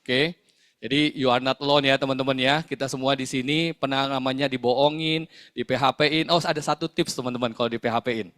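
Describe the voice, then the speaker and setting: A man's voice: mid-range voice, steady tone, fairly quick, fairly bright tone, dry recording, clean studio sound. A man, a sales team leader giving a motivational talk to his team, full of fillers and tag questions.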